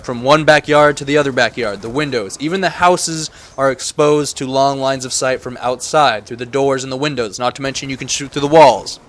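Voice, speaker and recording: A man's voice: mid-range voice, fairly quick, hardly any pauses, fairly bright tone. A man giving casual, sweary gameplay commentary in a blunt, aggrieved ranting manner. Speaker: gaming commentator. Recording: voice-over with music behind.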